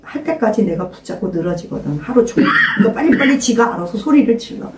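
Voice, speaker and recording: A woman's voice: mid-range voice, expressive, fast talker, very noisy. An older woman pastor preaching an informal sermon, emphatically questioning her listeners and urging them to pray aloud. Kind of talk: informal sermon to a small congregation. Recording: roomy echo, mic at a distance.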